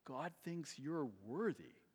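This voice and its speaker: Male pastor, fairly high voice, earnest sermon delivery that swells to forceful emphasis; long hall reverb. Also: expressive, slow pace, slightly rough. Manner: earnest, building to loud emphatic passages.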